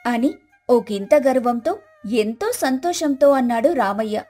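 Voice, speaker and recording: A woman's voice: a little high, animated, measured pace, warm tone, soft background music. A woman reading scripted narration of a moral story as the storyteller.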